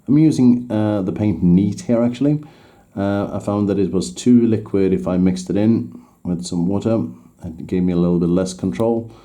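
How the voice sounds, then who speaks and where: This warm, fairly low-pitched man speaks at a moderate pace, explaining a miniature painting tutorial in English though his native language is Swedish. Hesitant throughout, he keeps pausing to correct himself and restarts while working.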